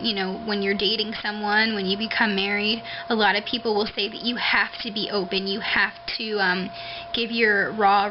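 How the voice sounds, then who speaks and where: A woman vlogger talking casually and haltingly to her webcam, with drawn-out, hissing s sounds like a lisp. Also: mid-range voice. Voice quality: lisping, hissy drawn-out s sounds. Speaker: video blogger. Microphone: webcam microphone. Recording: noisy dull webcam audio, hissing sibilance.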